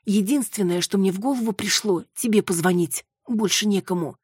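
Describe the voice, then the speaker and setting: Brief: woman reader playing a desperate young heroine, higher and tense, in a dry close take. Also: a little fast, breathy edge, dry recording, lightly acted. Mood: pleading. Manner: pleading, breathless and panicky. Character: frantic young woman Marusya. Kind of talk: audiobook character voice.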